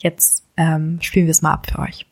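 A woman's voice: low-pitched, vocal fry, slight background noise. A woman co-hosting a podcast, who speaks to listeners casually with brief fillers. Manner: relaxed and brisk, with fillers. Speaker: podcast co-host.

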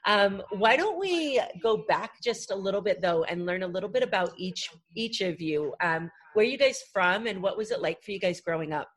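A woman's voice: medium pitch, lively intonation, moderate pace, hardly any pauses. A woman hosting a podcast interview, asking friendly, chatty questions with some fillers. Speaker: podcast host. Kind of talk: casual interview chat.

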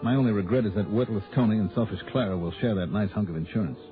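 A confident, wisecracking investigator, voiced by a man narrating his case in vintage radio style. The sound is narrow and phone-like, with soft music underneath. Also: on the low side, close to an everyday voice. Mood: wry. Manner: brisk, wry, confident. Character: hard-boiled male insurance investigator. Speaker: narrator and lead. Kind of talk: 1960s radio drama acting. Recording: tinny old radio with music.

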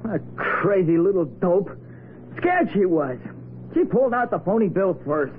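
An actor playing a defiant small-time crook, curt and slangy, in a 1940s radio crime drama. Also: male voice, high voice, big pitch swings, measured pace, phone-quality sound. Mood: surly, defiant. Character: defiant young male small-time crook, tough-guy. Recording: noisy, phone-thin vintage radio recording.

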